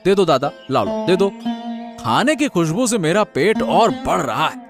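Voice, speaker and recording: High fretful cartoon husband, voice jumping all over, a man voicing him. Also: sing-song, normal speed, over music. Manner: pleading, fretful. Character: anxious young husband, worried for his wife.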